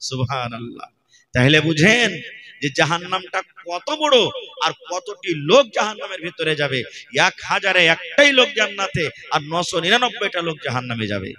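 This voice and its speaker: A man's voice: high voice, sing-song, moderate pace, pushed and bright. A male preacher with a regional Bengali accent from Purnia in Bihar, giving a sermon and firing rhetorical questions at his listeners. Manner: fires rhetorical questions at the crowd. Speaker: Islamic preacher. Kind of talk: sermon at a religious gathering.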